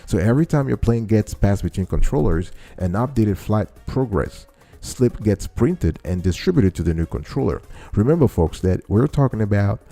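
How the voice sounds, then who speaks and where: A man's voice: lowish voice, lively intonation, moderate pace, dark tone, faint music behind. A man hosting an informal explainer, teaching step by step and restating key phrases to his listeners. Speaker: show host and explainer.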